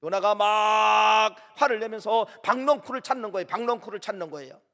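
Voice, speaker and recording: A man's voice: sits high, fairly quick, pushed and bright. A man preaching a sermon as pastor in a church, emphatic and full of rhetorical questions that he answers himself. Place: church sanctuary. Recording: long church hall reverb.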